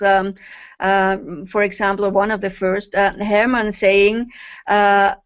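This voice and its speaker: A woman answering as an interview guest in a halting way with long pauses, on a muffled web call. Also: medium pitch. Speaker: guest, course facilitator. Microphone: online video call.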